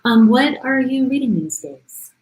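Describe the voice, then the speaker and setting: A woman's voice: a little high, lively intonation, measured pace, rough recording. A woman acting as moderator, reading audience questions aloud to the guests.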